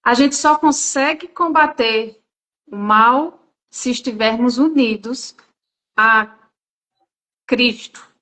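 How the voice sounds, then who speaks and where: A woman co-host talks with a high, bright tone. She speaks slowly and reflectively, agreeing as she builds on the point. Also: low-quality recording. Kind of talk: casual talk on a live stream.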